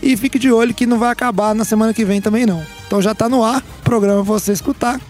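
Man, brazilian accent, podcast host, high voice, playful, faint music behind. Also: fairly even intonation, rapid-fire, a little mellow. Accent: Brazilian Portuguese. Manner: playful, teasing, upbeat. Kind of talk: casual sports podcast chat.

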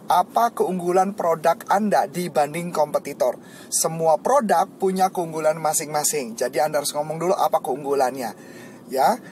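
A middle-aged man giving a motivational sales lesson, explaining points and acting out eager sales pitches with lively energy. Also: a little hiss or hum. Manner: lively, acts out sales pitches with rising enthusiasm. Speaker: sales trainer.

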